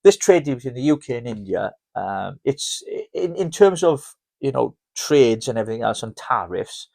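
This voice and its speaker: A Welsh man hosts a podcast in a loose, joking chat. He rambles, stumbles over his words and restarts his sentences. His voice sits at an ordinary middle pitch. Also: big pitch swings, moderate pace, creaky, darkish tone. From Wales. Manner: chatty, jokey, rambling with restarts. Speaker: podcast host. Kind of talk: casual chat.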